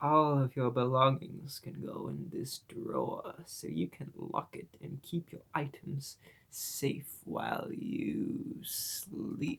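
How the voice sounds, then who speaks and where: In a put-on character voice, the speaker talks at a very slow pace with a soothing tone and a low-to-middle pitch. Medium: read story. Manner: sweet, soothing, falsely kind.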